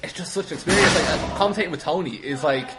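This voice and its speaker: A young Irish man tells anecdotes as a podcast guest in an animated, self-deprecating way. He talks very quickly in a slightly high voice and swears casually. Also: very noisy. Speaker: podcast guest, wrestling commentator.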